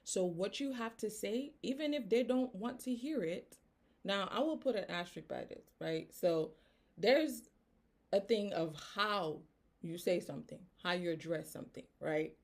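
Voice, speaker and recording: A woman's voice: medium pitch, lively intonation, normal speed. A woman from Haiti with a Haitian accent, giving an earnest motivational talk and tagging her points with "right?". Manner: earnest, tags statements with "right?". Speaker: business coach.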